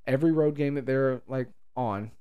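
A man's voice: medium pitch, moderate pace, warm tone, smooth. A young man co-hosting a casual podcast, rambling and playful. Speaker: podcast co-host.

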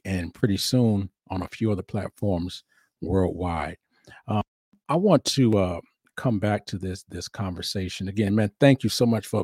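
Podcast host, middle-aged man, chatty with lots of restarts, lowish voice, dry close sound. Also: mellow, no echo. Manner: chatty, repeats words, frequent restarts. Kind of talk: casual podcast interview.

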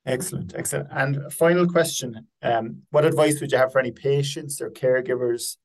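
A man's voice: mid-range voice, a little fast, gravelly, darkish tone, low-quality recording. A man hosting a conversational podcast interview in a polite, appreciative manner.

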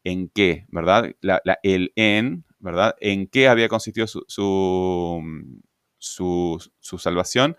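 A man's voice: deep voice, fairly bright tone, clean tone, no room sound. Man, grammar lesson, hesitant with fillers, dry close recording. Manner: halting, many fillers and tag questions. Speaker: grammar teacher.

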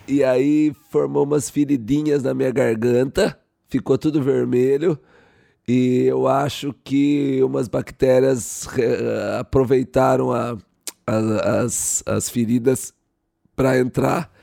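A Brazilian man co-hosting a podcast in casual chat, hoarse today, acting out other people as he tells stories. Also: medium pitch, slow. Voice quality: hoarse, gravelly. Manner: animated storytelling, acts out others. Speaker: podcast co-host.

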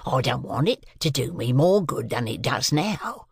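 A reader doing a gruff, scornful old convict. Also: sing-song, moderate pace, no echo, clean studio sound, exaggerated voice. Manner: low, muttering, scornful, half-whispered. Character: older male convict, gruff, disdainful, hard.

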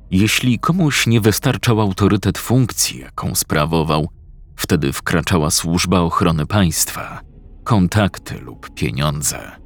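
Low gravelly male horror narrator. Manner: slow, measured storytelling. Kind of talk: scripted horror story narration.

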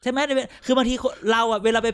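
A man's voice: very high-pitched, level tone, fast talker, clean tone. A man co-hosting a casual political podcast, speaking bluntly and animatedly, mixing in English words. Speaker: podcast co-host.

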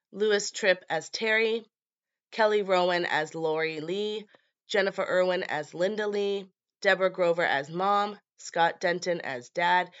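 Woman doing a casual horror podcast, stuffed up nose n sore swollen throat sound, nasally, kinda low, close dry muffled audio. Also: fairly bright tone, no echo. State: congested from allergies, sore throat. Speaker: podcast host.

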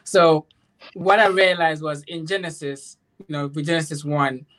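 A man's voice: on the high side, normal speed, fairly bright tone, poor audio. A man in an informal spiritual discussion, explaining earnestly in a rambling way, repeating phrases and checking that he is understood. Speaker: guest, author.

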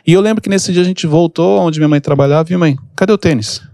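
Male mentor host telling stories fast, somewhat high-pitched. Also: dark tone, no echo, clean studio sound. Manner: storytelling, acts out quoted people. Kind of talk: casual teaching chat.

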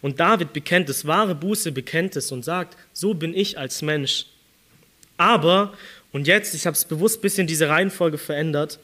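A young man with a fairly high voice delivers an earnest sermon. He lifts his voice with emphasis when he reads scripture aloud. He drops back to a plainer tone when he explains it. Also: normal speed, sharp tone. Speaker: preacher.

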